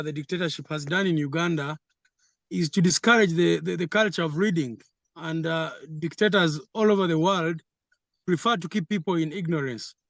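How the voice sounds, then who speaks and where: Man, measured formal answers, repeats words, higher pitch, dry close sound. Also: dry recording. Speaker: secretary general answering questions. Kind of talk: formal response in a meeting. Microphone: video call.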